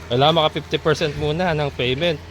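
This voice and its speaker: A fairly high-voiced man talks his viewers through a walking tour of new lots outdoors, chatty and laughing easily. It sounds like a phone recording, with traffic noise clearly heard behind him. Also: fairly even intonation, fast. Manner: chatty, points things out to viewers, laughs often. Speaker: vlogger giving a land development tour. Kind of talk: casual walking tour vlog. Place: outdoors at a rural lot by a road.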